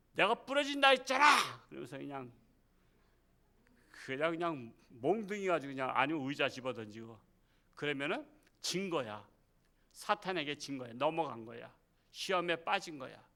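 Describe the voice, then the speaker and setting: High, bright-voiced Korean pastor preaching. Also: male voice, expressive, normal speed, long pauses. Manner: conversational, rhetorical questions to the congregation; acts out quoted speech in the sermon. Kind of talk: Wednesday evening sermon. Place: church sanctuary.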